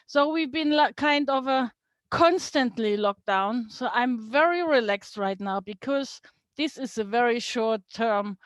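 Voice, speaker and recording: A woman's voice: a little high, dry recording. A middle-aged woman from East Germany, German her first language, giving an earnest online business talk over a video call, with small slips in her English. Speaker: guest speaker.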